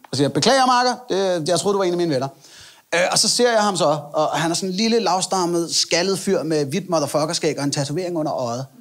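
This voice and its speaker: A man's voice: sits high, a bit bright. A male stand-up comedian telling a story in a chatty, self-mocking way and acting out the people in it.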